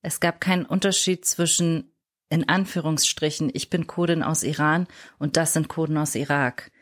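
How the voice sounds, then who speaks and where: Low-voiced woman telling her story. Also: fairly even intonation, moderate pace. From Germany. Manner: reflective, searching for words mid-sentence. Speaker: interview guest. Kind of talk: personal storytelling in a podcast interview.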